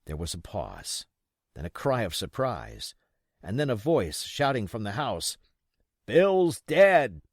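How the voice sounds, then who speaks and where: A man's voice: on the low side, wildly swooping pitch, measured pace, dry recording, clean studio sound. A man reading an adventure novel as an audiobook narrator, in scripted storytelling style.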